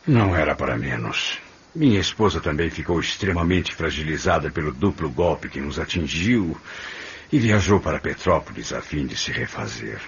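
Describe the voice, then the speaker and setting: An actor playing a grave, fatherly middle-aged man in a radio drama, speaking in a measured, deliberate way. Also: extremely low pitch, lively intonation, husky, exaggerated voice. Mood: somber. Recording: dull radio drama recording.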